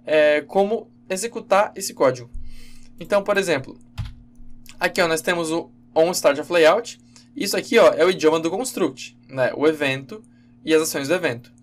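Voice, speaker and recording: A man giving a casual, halting screen-recorded programming lesson, with many fillers and self-corrections. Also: a little high. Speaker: game development instructor.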